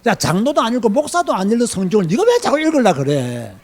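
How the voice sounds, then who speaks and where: A man voicing a sly male devil who whispers temptations in a low, coaxing, taunting tone. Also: wildly swooping pitch, quick pace, darkish tone, heavily acted.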